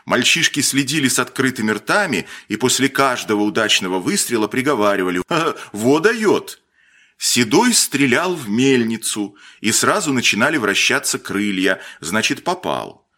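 Expressive male storybook narrator. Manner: expressive, measured reading with shifts in pitch for emphasis.

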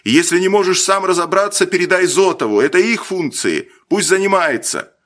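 A man doing a shouting, irritable army captain. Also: high voice, a little fast, pitched above the performer's own voice. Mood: angry. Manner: yells, scolding and sarcastic. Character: hot-tempered young army captain, shouting.

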